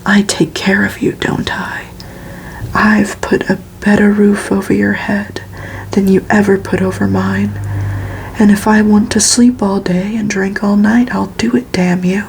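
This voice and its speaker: A woman voicing an arrogant, impatient male vampire in a breathy, scornful whisper for an ASMR story reading. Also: medium pitch, level tone, measured pace, a little hiss or hum, poor audio. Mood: impatient, bullying. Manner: scornful, commanding.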